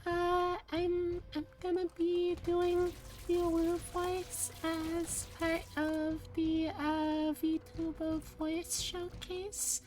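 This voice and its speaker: A woman voicing a cute, soft-spoken anime streamer character in a small, polite voice on a live stream. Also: very high-pitched, monotone, very slow, soft background music, pitched above the performer's own voice, full character voice. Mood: sweet, polite.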